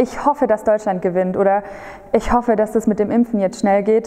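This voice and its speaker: A woman with a medium pitch speaks at a moderate pace and fairly even intonation, with noticeable background noise. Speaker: preacher. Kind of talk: sermon. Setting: recorded video sermon.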